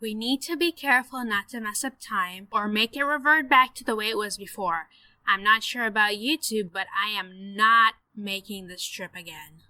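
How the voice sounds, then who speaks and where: A woman's voice: medium pitch, normal speed, sharp tone, dry recording, rough recording. A woman playing a cautious, sceptical time traveller in an audio drama, precise and firm.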